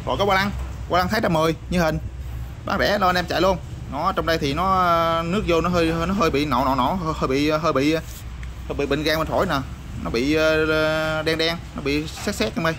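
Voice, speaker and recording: A man showing off used motorbike parts in a rapid, repetitive sales patter full of fillers. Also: fairly high pitch, fairly even intonation, fairly bright tone. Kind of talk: casual product showcase sales patter. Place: parts shop or workshop. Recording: noisy backdrop with passing vehicles.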